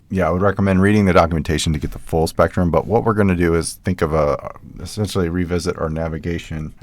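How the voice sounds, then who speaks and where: A man's voice: sits low, no room sound. A man hosting a programming tutorial, casually thinking aloud as he types code. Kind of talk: screen-recorded coding tutorial.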